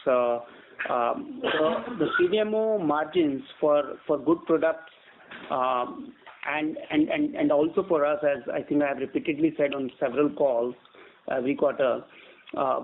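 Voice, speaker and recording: A man, a company executive answering analysts on an earnings call in a halting, measured way, often repeating words. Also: on the high side, slight background noise. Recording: narrow tinny phone-line conference call.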